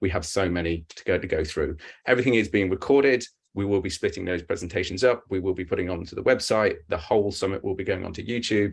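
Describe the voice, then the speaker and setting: A man talks at a very fast pace with a fairly low pitch and ordinary pitch variation. His voice is somewhat breathy against a quiet background. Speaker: community event host. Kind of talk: event hosting announcements.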